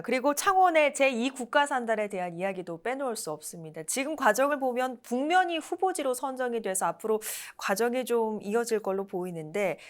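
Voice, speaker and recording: A woman hosting a television talk show, asking questions in a polished broadcast interviewing style. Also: on the high side. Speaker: host of a regional TV issue talk show.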